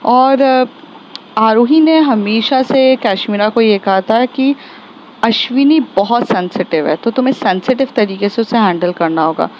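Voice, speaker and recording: A woman tells a love story in a loose, chatty way, pausing on fillers and correcting herself as she goes. Her voice sits fairly high. The recording is dull and lo-fi, with a faint hiss. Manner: conversational, with fillers and self-corrections. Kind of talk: casual spoken storytelling.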